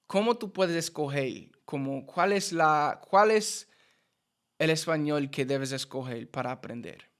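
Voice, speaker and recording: Slow-talking Puerto Rican-accented man. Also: fairly high pitch, lively intonation. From United States. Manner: slow, repeats and restarts words while explaining. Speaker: Spanish teacher. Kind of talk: casual teaching to camera.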